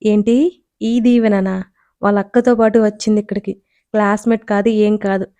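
A woman voicing an irritable young man who scolds his friends in a quick, sharp way. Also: medium pitch, little pitch movement, no echo, lightly acted. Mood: scolding.

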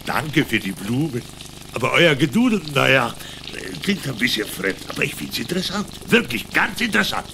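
An actor playing an excitable, clever know-it-all cartoon animal, chatty and exclamatory. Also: male voice, medium pitch, normal speed. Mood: pleased, showing off. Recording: clear background noise.

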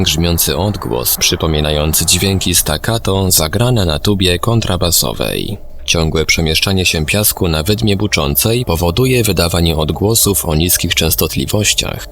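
A man narrating a scripted documentary audiobook in speech, with a measured, formal delivery. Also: deep voice, a bit bright.

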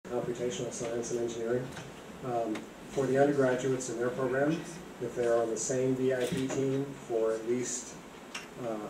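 Flat-voiced man in his fifties explaining. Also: medium pitch. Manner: steady, explanatory, with "you know" fillers. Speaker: guest lecturer. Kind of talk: explanatory talk. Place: university seminar room. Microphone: handheld mic. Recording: echoey room from a distance, clear background noise.

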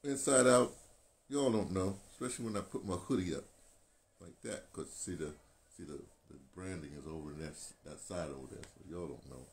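An American man in his sixties rambling casually to his phone camera, halting and digressive, repeating phrases as he goes. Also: low-pitched. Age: 60s. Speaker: video blogger, radio veteran. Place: small painted room indoors. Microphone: phone at arm's length. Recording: clear ambient background noise.

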